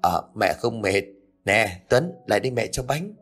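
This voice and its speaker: A long-suffering young mother speaks softly and meekly, holding back her grief, as a male narrator puts her on. The lowish voice moves with lively swings of pitch. Faint music sits underneath. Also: normal speed. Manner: soft, meek, restrained. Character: young abused mother, meek, patient and tearful.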